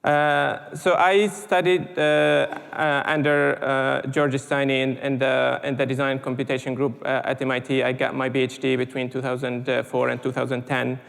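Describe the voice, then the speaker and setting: A man from Syria speaking in a lecture hall, with a gravelly voice and a flat, even delivery. He halts often, with many "uh"s and repeated words. A long reverb trails his speech. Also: medium pitch, normal speed, few pauses. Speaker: panel speaker. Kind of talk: conference talk.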